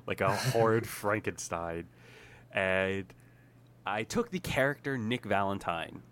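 Young man telling stories in a low voice. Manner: animated storytelling with frequent laughs. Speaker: guest YouTuber. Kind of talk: casual podcast chat.

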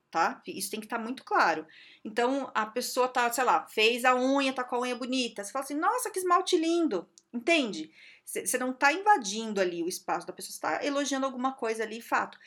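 Middle-aged woman, fairly high voice, casual vlog advice, lively and chatty, does quick mock voices. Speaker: vlogger giving workplace advice. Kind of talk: casual monologue to camera.

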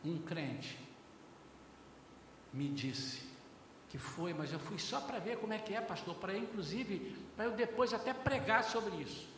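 Older Brazilian pastor, high voice, animated sermon with acted-out dialogue, recorded far off in a very echoey church hall. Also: male voice, unhurried, a little hiss or hum. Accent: Brazilian Portuguese. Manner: lively, acts out dialogues, often addresses the congregation as brothers.

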